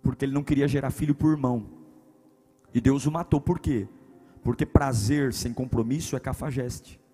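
A man with a Brazilian Portuguese accent, a pastor preaching a humorous sermon, swinging between loud punchy lines and hushed ones. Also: mid-range voice, steady tone, normal speed, slightly rough, soft background music.

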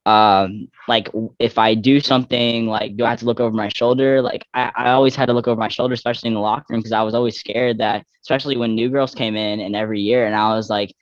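A man's voice: medium pitch, fairly even intonation, fast talker, few pauses, dry recording, lo-fi sound. A young trans man in his twenties, a guest in a candid interview, talking reflectively with frequent fillers and restarts. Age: young adult.

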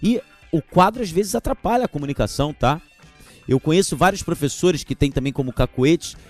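Guy doing a teaching podcast, kinda highish voice, lively, faint guitar music behind. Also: a little fast. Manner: animated, gesturing while speaking, mocking teachers' verbal tics. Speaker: podcast host and teacher trainer. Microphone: podcast microphone.

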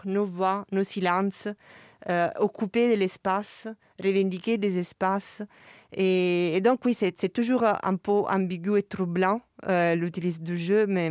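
A woman artist speaking French with a non-native accent, reflecting on her work at a listening session and often pausing and restarting as she searches for words. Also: fairly low pitch, a little mellow, clean tone, no echo, studio quality. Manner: hesitant, searching for words, many fillers and restarts.

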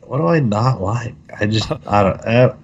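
A man's voice: lowish voice, animated, measured pace, husky. Sniffly young man on a dull line. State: sniffly, with a cold. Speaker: podcast co-host. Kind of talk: casual chat.

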